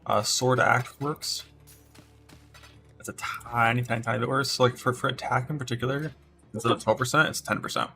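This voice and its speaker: A male game streamer with a gravelly, bright, forceful voice, thinking aloud in loose casual commentary. Faint game music sits behind him. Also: medium pitch, steady tone, fairly quick. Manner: rambling, many fillers and restarts.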